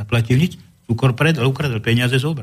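A man's very fast, somewhat breathy delivery at medium pitch, with ordinary pitch variation. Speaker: trucking association board member. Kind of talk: call-in radio discussion. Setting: radio studio.

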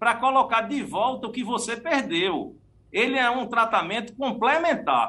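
A man's raised, projected voice reaches an extremely high pitch. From Pernambuco, Brazil. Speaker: dentist. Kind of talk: radio interview.

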